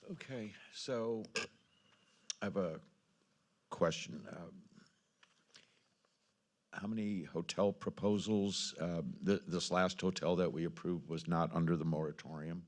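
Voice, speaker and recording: Very deep-voiced man chairing a meeting. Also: steady tone. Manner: halting, repeats words. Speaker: mayor chairing a city council meeting. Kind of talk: formal meeting discussion. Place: council meeting room.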